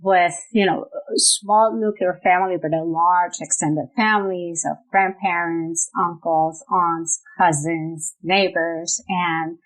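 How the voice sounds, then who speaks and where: A woman's voice: on the low side, poor audio. A middle-aged woman with a Puerto Rican accent, speaking as an interview guest and telling a personal story conversationally. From Puerto Rico. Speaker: podcast guest, nonprofit chief executive.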